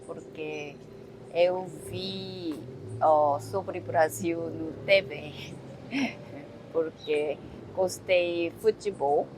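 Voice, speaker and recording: Korean-accented woman in her 30s, interviewee, very slow and halting, low-ish voice. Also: slight background noise, rough recording. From South Korea. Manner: halting, searching for words with many "ó" fillers. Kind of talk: casual interview answers.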